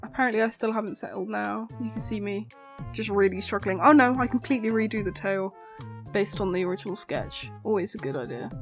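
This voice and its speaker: A woman at medium pitch talking very fast with very wide pitch swings over music in the background. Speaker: digital artist. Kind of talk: casual speedpaint voiceover commentary. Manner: casual, hesitant, many filler words.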